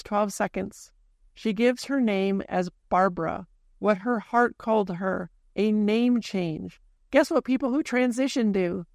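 Gravelly-voiced host with a dry sound. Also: mid-range voice, dry recording. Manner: deliberate, analytical, reads out timestamps. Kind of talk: video essay narration and casual chat.

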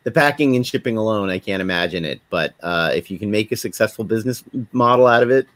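A man's voice: lowish voice, lively intonation, fast talker, fairly bright tone. A man hosting a casual podcast over a video call, chatting with guests in a wry, lightly joking way. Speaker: podcast host. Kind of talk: casual chat, introducing guests.

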